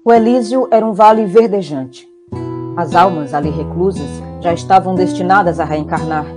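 A woman's voice: on the low side, normal speed. A woman narrating a scripted story as the narrator of an audio drama. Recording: loud background guitar music.

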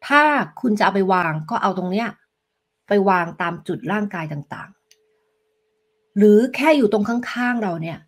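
Breathy female coach, gentle step-by-step explanations, live demo lesson, tuning fork tones behind. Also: medium pitch, a little slow, long pauses. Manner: gentle, explains step by step, answers viewer questions. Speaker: health coach. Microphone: desk microphone.

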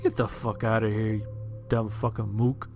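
A man's voice: fairly low pitch, level tone, moderate pace, a little mellow, soft background music, lightly acted. Man acting a belligerent, sneering Marine. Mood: scornful. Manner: incredulous, aggressive, sneering. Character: belligerent, scornful, foul-mouthed Marine.

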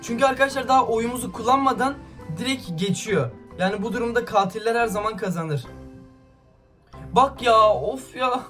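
High-voiced man ranting over a game. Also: moderate pace, bright, forceful tone, soft background music. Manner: irritated, ranting, hurling insults; talks straight to viewers. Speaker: gaming YouTuber. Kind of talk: gameplay commentary to viewers.

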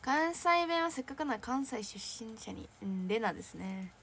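Young female idol, slightly high voice, bubbly and giggly, casual livestream chat. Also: animated, normal speed, fairly bright tone, a little hiss or hum. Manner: bubbly, chatty, frequent giggles. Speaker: idol trainee hosting a fan livestream. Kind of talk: casual livestream chat reading viewer comments.

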